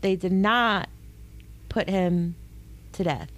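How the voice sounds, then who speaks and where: A woman's voice: fairly low pitch, slow pace. A woman co-hosting a true-crime podcast, reacting emotionally and talking casually with fillers. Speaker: podcast co-host.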